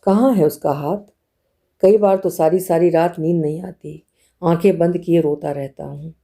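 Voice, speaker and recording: Woman reading a young bridegroom, gentle, pleading, soft coaxing questions, dark mellow tone, audiobook. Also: on the low side, steady tone, normal speed, close to an everyday voice. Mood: sorrowful.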